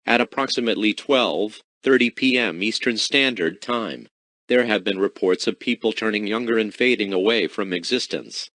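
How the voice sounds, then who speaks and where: A man's voice: fairly low pitch, moderate pace, a bit bright, dry recording. A man reading a formal scripted emergency alert as a broadcast announcer.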